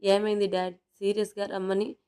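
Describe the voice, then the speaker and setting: A woman's voice: mid-range voice, little pitch movement, moderate pace, dark tone, smooth, natural voice. A woman reading the lines of a young man, a dutiful son, in a storybook tale, giving plain and polite replies. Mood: subdued.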